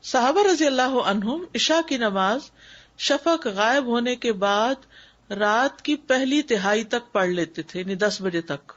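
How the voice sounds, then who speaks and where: A woman's voice: a little high, lively intonation. A woman teaching a class on prayer, explaining things step by step and repeating key points for emphasis. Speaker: Islamic studies teacher. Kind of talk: lecture on prayer. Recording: dull lo-fi recording.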